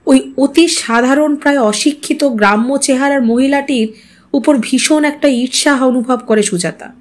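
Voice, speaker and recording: A woman storyteller narrating literary fiction in an expressive style. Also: sits high, normal speed.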